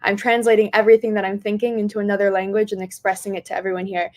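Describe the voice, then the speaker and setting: A woman's voice: mid-range voice, little pitch movement, very fast, a little mellow. Earnest young woman, Japanese native speaker. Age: young adult. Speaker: panelist, nonprofit founder. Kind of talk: online panel discussion.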